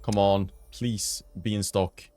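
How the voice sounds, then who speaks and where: A man hosting a gaming video, giving casual gameplay commentary with excited outbursts and casual slang. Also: lowish voice, takes it slowly, soft background music.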